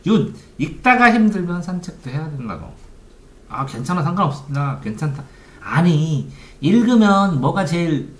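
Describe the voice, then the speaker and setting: A man giving an informal lecture on study methods as a coach, asking his listeners rhetorical questions. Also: on the high side. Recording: echoey room.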